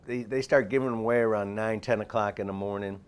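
A middle-aged man with a fairly low voice chats on a TV studio set. He talks in a lively, promotional manner, gesturing as he goes, his voice clean on a lapel mic. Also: fast talker, smooth. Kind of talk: casual TV studio interview.

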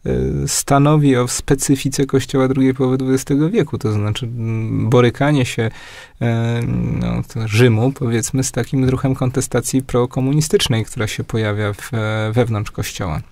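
Polish guy guest, flat voice, lots of ums and restarts, dry sound. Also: mid-range voice, no echo. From Poland. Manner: many fillers and restarts, measured. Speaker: guest historian. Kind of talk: hesitant academic explanation.

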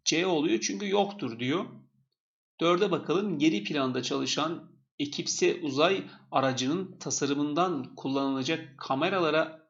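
Gravelly-voiced male teacher, steady and repetitive, talking through test questions, dull lo-fi sound. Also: on the high side. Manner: explains step by step, repeats key points. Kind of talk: exam question walkthrough.

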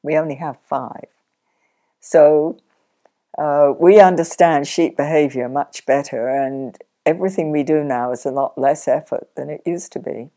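An older woman sheep farmer, chatty and practical, explaining her farm work step by step in a relaxed interview at home. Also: low voice, unhurried. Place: sunlit living room, in an armchair.

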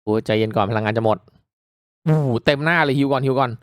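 A man giving casual, reactive commentary as he hosts a mobile game playthrough, chatting politely to viewers with excitable exclamations. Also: medium pitch, fast, dry recording, clean studio sound. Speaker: gaming video host.

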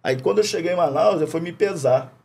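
Middle-aged man, Carioca accent, gravelly raspy voice, animated slangy storytelling, podcast studio mic. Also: a little high, a little fast. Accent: Carioca Portuguese. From Rio de Janeiro, Brazil. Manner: animated anecdote-telling, heavy slang and swearing, laughing often. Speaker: podcast guest. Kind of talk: casual chat, storytelling.

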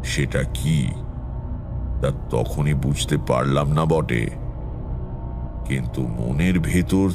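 An actor playing a brooding tantric storyteller, narrating an eerie village tale in a measured, dramatic way. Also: male voice, a bass voice, gravelly, music in the background, heavily acted. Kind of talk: dramatic first-person horror narration.

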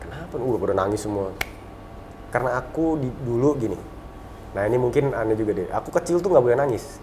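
Man, 30s, casual storytelling, mid-pitched voice, reflective and soft, some background noise. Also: fast talker. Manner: relaxed, reflective, drops to a soft low voice on sad memories. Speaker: talk show guest.

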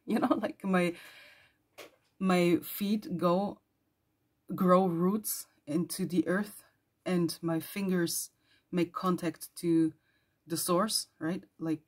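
A woman with a hoarse, worn voice who is losing it, chatting casually while flipping through her journal and clearing her throat often. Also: fairly low pitch, a little mellow. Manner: rambling, chatty with small laughs and throat clearing. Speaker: journal vlogger.

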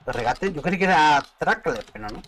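A gaming streamer with a Spain Spanish accent, his voice a little high and a little fast, live-commentates his own football video game. He's excitable, muttering and swearing at what happens on screen.

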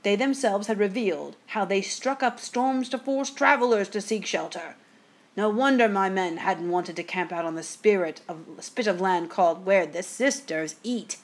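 A woman playing a quick-witted, teasing father who spins a ghost tale with drawn-out suspense. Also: mid-range voice, close to an everyday voice. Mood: dread.

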